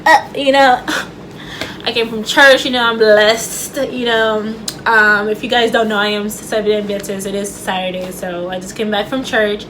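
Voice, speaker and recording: A woman's voice: mid-range voice, flat delivery, moderate pace, fairly bright tone, rough recording. Woman vlogging at home, stutters a bit, rambly and casual, faint ac hum behind. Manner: stutters, with repeated words and restarts; chatty and loose, with many fillers. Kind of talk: casual talk to camera. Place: home room with air conditioner running. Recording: faint air conditioner hum.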